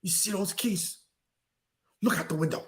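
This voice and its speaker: A man's voice: high voice, normal speed, close to an everyday voice. A man voicing a brash, successful male mortgage boss in a mock Chinese accent, boastful and clipped.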